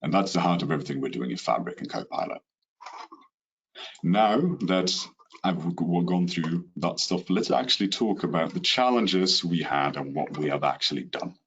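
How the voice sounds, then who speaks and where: A deep-voiced Swedish man, slightly rough and speaking at normal speed, gives a well-rehearsed business webinar over a video call, occasionally saying "you know." He has a Swedish accent, and his computer mic produces lo-fi sound.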